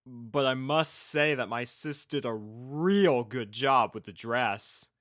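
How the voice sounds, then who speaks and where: A man's voice: medium pitch, takes it slowly, a bit bright, no room sound, clean studio sound. A man reading a scripted first-person story as its narrator. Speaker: fan fiction reader and narrator.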